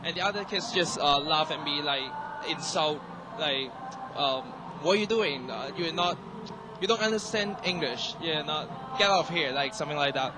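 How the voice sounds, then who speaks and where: A young man from Hong Kong with a Hong Kong accent and Cantonese as his first language. He speaks haltingly as a panel guest, with many restarts and fillers. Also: fairly high pitch. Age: young adult. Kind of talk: panel discussion. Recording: noisy room.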